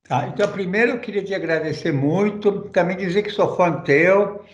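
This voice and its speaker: A man's voice: high voice, normal speed, echoey room, highs cut off. A middle-aged man from Argentina, answering interview questions casually, rambling with many fillers and restarts. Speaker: interview guest.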